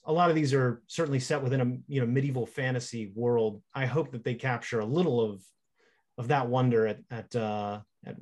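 A man speaks in a mid-pitched voice over a video call. He is an illustrator reflecting on his own work. His delivery is conversational and halting, as he searches for the right words. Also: darkish tone. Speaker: illustrator, panel guest. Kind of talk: reflective conversational talk about own artwork.

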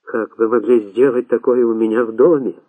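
A man reading an audiobook, voicing a terrified homeowner who shouts and pleads in panic. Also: medium pitch, steady tone, a little fast, lightly acted. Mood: frightened. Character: terrified middle-aged male homeowner with a rifle. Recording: tinny phone-like sound.

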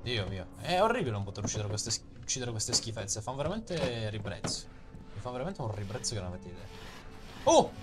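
A man's voice: lowish voice, big pitch swings, fast, over music. A man with an Italian accent, jokingly playing a horror game and reading its texts aloud in a dramatic voice. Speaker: let's play gamer.

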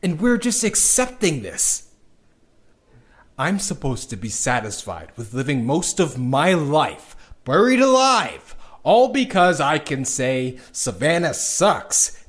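A man's voice: fairly high pitch, big pitch swings, takes it slowly, a bit bright, full character voice. A man playing a bitter, despairing character in an audio drama, ranting with sweary passion. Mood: angry, indignant. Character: bitter, despairing young man raging at a doomed world.

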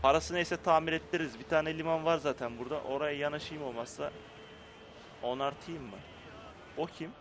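A man commenting casually on his gameplay, playfully arguing with the game's characters and swinging from muttering to loud outbursts. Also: fairly high pitch, brisk, background noise. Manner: playful, talks to game characters in mock indignation. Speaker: gaming YouTuber.

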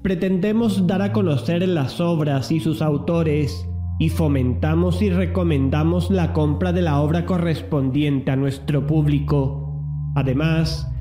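A man reading a scripted disclaimer as an announcer, in a formal, measured manner. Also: a little high. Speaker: audio drama project announcer. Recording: roomy echo under loud music. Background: music.

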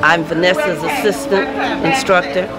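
A woman's voice: lowish voice, animated, moderate pace. A woman in her seventies stating facts plainly in an outdoor chat. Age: 70s. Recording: loud music and crowd outdoors.

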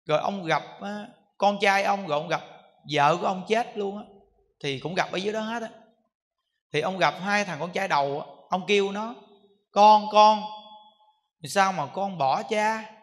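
Brief: male monk, Southern Vietnamese accent, high voice, sermon storytelling, echoey hall. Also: normal speed. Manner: lively storytelling with filler particles. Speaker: Buddhist monk.

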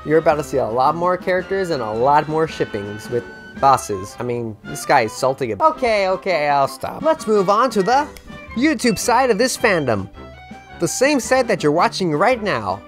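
A man's voice: high voice, big pitch swings, normal speed, fairly bright tone. A man in his twenties giving rambling, theatrical comedic commentary as a YouTube host, often interrupting himself, speaking into a close handheld microphone. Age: 20s. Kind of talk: comedic fandom commentary to camera. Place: small bare-walled room indoors. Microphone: handheld microphone close to the mouth. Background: background music.

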